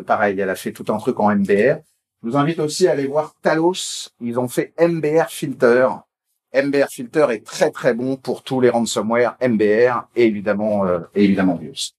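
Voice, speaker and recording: Speaking at a technical conference, a man keeps things chatty and informal, stumbling through fillers, repeated words and false starts as he rambles on. His middle-pitched voice has a slightly mellow quality.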